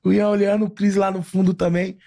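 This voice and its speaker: A man's voice: high voice, a little fast, vocal fry. A man, a podcast guest telling a story in casual chat, acting out what others said with plenty of slang. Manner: animated storyteller, acts out quoted voices with slang.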